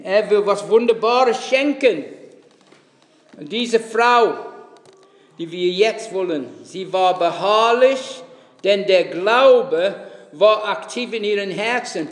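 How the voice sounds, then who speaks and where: Slow emphatic male preacher in a hall. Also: high voice. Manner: emphatic, repeats key phrases. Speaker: pastor. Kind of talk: sermon. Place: church. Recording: echoey church hall.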